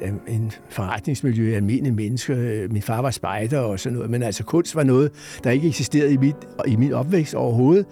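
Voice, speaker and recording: Older man telling lively anecdotes. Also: on the high side. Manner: lively storyteller who acts out quoted voices. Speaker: storyteller guest.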